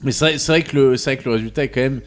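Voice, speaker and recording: A man's voice: mid-range voice, rapid-fire, soft background music. A man guest on a podcast, joking in casual chat with frequent restarts.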